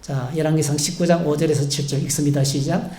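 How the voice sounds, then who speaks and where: A man's voice: a little high, steady tone, quick pace, mellow. A middle-aged male pastor giving a sermon in a church, telling the story in a chatty way and acting out the quotes. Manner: conversational storytelling preaching with fillers and acted-out quotes. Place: church sanctuary. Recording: echoey church hall.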